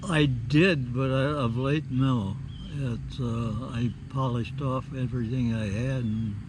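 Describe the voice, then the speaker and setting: A man's voice: medium pitch, steady tone. Very old man, noisy recording. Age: 90s. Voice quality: very old man's voice. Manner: brief, halting answers. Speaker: interview guest. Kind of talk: casual chat. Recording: clear background noise.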